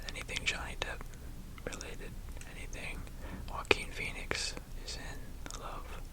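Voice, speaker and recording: A man whispers in a gentle tone at a moderate pace, with big swings in loudness. Noticeable background noise sits behind him. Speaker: musician. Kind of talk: ASMR Q&A. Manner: whispered, gentle.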